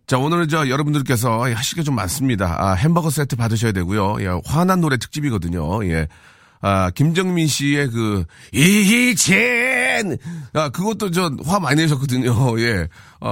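A man hosting a radio show in casual, joking talk, reading listener messages and sponsor lists, with sudden loud outbursts. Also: mid-range voice, no echo, studio quality.

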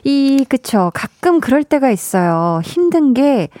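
A woman's voice: high-pitched, very animated, measured pace, dark tone, dry recording. A woman hosting a late-night radio show, cheerfully reading out listener messages and encouraging them. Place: radio studio. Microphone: studio microphone.

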